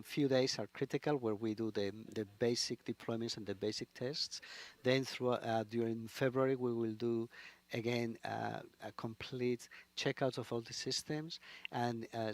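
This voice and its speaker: A male program manager answers as an interview guest in a halting, searching way. His voice is mid-pitched with a heavy gravelly creak. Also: steady tone. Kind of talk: live interview.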